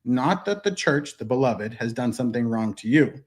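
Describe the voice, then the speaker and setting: A man's voice: medium pitch, animated, normal speed. A man in his thirties with a mid-range voice talks bluntly and with force, swearing freely. He sits at a desk mic in a small wood-paneled studio. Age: 30s. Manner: blunt, profane, emphatic. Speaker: guest. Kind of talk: casual interview.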